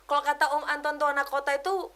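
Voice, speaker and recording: A woman giving an emotional personal testimony as a podcast guest, telling it in an animated way and keeping the host close in the talk. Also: high voice, fast talker. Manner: animated storytelling, keeps addressing the host as brother; drops English words into her speech.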